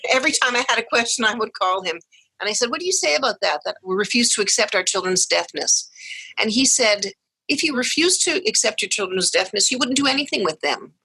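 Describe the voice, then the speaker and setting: Bright-voiced woman telling her story. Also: mid-range voice, breathy edge, dry recording, low-quality recording. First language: English. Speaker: guest, mother of deaf twins. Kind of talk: podcast interview storytelling.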